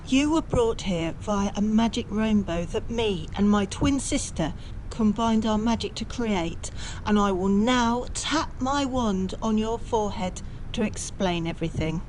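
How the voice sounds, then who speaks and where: A woman's voice: mid-range voice, unhurried, darkish tone, a little hiss or hum, natural voice, poor audio. Woman acting an earnest storybook good witch. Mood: matter-of-fact. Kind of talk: amateur audio drama acting.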